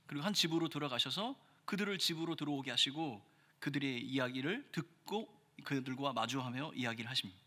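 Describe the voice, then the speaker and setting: A man preaching a sermon as pastor, earnest, pressing hard on key phrases and then dropping his voice low. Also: pushed and bright. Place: church sanctuary. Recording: church hall reverb.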